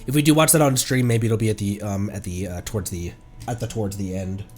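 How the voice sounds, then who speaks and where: A man's voice: lowish voice, fast, a little mellow. A man giving casual, playful commentary on a game livestream. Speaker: streamer. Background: game music.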